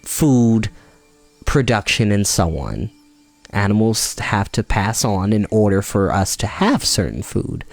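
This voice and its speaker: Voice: mid-range voice, darkish tone. A storytime host reading a children's book aloud and explaining it to young listeners.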